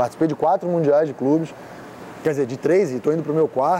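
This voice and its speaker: This man's voice is pitched fairly high. Light background noise can be heard. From Niterói, Rio de Janeiro, Brazil; Rio de Janeiro, Brazil. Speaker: handball player. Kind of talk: interview testimony. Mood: reflective, calm. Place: open country. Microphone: lapel.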